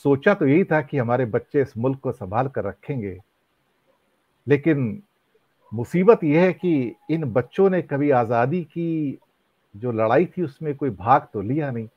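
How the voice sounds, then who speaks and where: A man hosting a debate panel, calling on guests and weaving song lyrics into his points at a measured pace. The sound is dry and close, with a dull lo-fi quality. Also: medium pitch, lively intonation, slightly rough, dry recording. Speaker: debate host. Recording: dry, muffled lo-fi audio.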